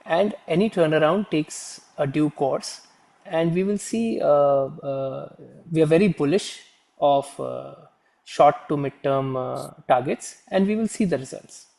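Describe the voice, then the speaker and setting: A man with an Indian accent answering questions on an earnings call as a company executive, in a formal, measured, corporate manner. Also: on the high side, gravelly, a little mellow.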